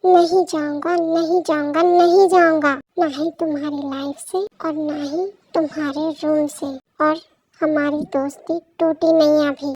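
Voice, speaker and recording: A woman's voice: high-pitched, little pitch movement, measured pace, vocal fry, a little mellow, muffled recording. A woman voicing an anguished young man who pleads and questions fate. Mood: insistent. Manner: insistent, anguished self-talk. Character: young man, lovesick and grieving friend. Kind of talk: fan story voice acting.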